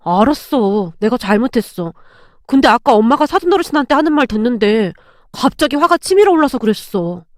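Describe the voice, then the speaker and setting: A woman's voice: on the high side, big pitch swings, a little fast, dry recording, clean studio sound. A woman voicing a sarcastic grown son. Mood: aggrieved. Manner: taunting, needling. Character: sarcastic adult son mocking his mother.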